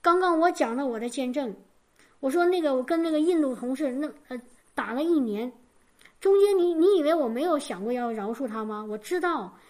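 A woman's voice: high-pitched, a little mellow. A woman preaching a sermon and giving her personal testimony, fervent, repeating key phrases for emphasis, often stammering and restarting.

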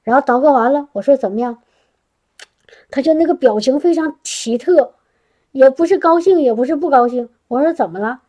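A woman telling a personal faith testimony in an animated storytelling way, breaking into exclamations of praise. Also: high-pitched, a little fast. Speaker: church member giving a testimony.

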